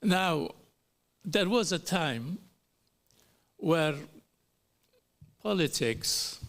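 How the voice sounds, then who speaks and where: A middle-aged man from Algeria giving a formal speech as a panel speaker at a human rights hearing, slow and deliberate, with pauses and fillers. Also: fairly high pitch, lively intonation, fairly bright tone.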